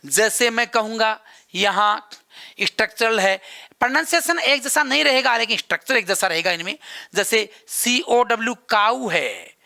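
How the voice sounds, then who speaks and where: A teacher with a high-pitched, bright and forceful voice lectures an exam-prep class. He repeats key terms, mixes English words into his explanations, and gives examples while writing on a board.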